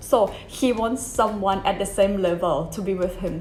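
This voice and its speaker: Music plays in the background as a woman with a Thai accent speaks at a moderate pace. Room echo is audible. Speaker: YouTuber, drama recapper. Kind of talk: casual video recap. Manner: casual, hesitant English.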